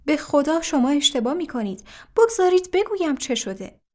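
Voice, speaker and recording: A woman's voice: sits high, big pitch swings, darkish tone. A woman reading a story voices a wronged house owner who pleads helplessly. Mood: pleading.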